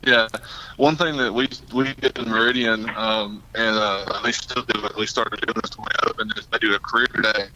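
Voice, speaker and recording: A man joins over a video call whose connection keeps cutting out, so the sound is choppy and broken. His voice sits low and fairly flat, with a bright, sharp edge, over a faint hiss. He talks in a casual, halting way, stopping often to fill gaps with um and uh. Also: low-quality recording. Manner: chatty, halting, fills with um and uh. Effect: choppy, breaking-up video call audio. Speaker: car dealer panel guest. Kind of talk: casual panel discussion. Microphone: remote video call.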